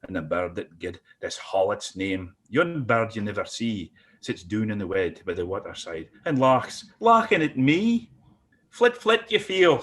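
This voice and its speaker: Male poetry reciter, Doric accent, slightly low pitch. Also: fairly bright tone. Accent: Doric, North East Scotland.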